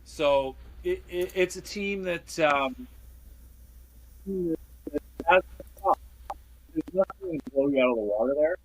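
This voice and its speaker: A man's voice: a little high, slow, pauses often, poor audio. Man on a garbled, underwater-sounding mic. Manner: hesitant, trailing off. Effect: garbled, underwater-sounding failing mic. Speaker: hockey analyst guest. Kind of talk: casual sports chat. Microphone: remote mic.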